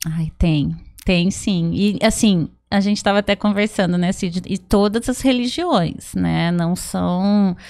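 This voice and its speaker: At a very slow pace, a woman speaks in a medium-pitched voice with ordinary pitch variation. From Paraná, Brazil (Londrina); Paraná, Brazil. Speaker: gynecologist, fertility doctor; guest. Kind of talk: podcast interview, explaining medical topic. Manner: hesitant with many fillers and repetitions. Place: studio. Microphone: studio mic.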